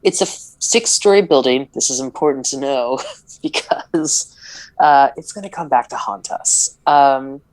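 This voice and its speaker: A woman with a notably deep, low voice chatting loosely on a podcast as she recaps a film. She rambles along with constant "like" fillers, tripping over tricky words and chuckling now and then. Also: a little slow, darkish tone, rough recording. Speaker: podcast co-host. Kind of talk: casual movie recap chat.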